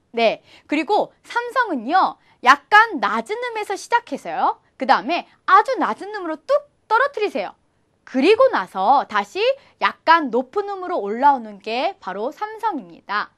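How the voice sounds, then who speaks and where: A young woman teaches a cheerful language lesson in a high, bright voice. Her pitch leaps up and down with animated emphasis. She keeps asking her viewers questions and encouraging them as she goes. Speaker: Chinese teacher. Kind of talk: friendly online language lesson.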